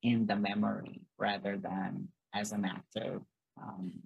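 Guest, halting and dry. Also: sits low, level tone, gravelly, breathy edge, no room sound, phone-quality sound. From Brazil. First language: Portuguese. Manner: rambling, many "like" fillers and restarts. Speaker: podcast guest, artist. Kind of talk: casual interview chat.

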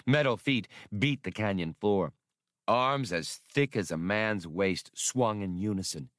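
A man reading a science fiction adventure aloud as an audiobook narrator, in a measured, expressive storytelling delivery. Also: on the low side, no echo, studio quality.

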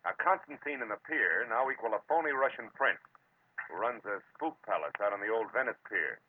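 An actor with an American accent playing a tough, sardonic private detective in a 1940s radio drama. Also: male voice, on the low side, lively intonation, brisk, natural voice. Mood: brisk, urgent. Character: hard-boiled, wisecracking male private detective narrating his case. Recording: muffled, noisy vintage radio recording.

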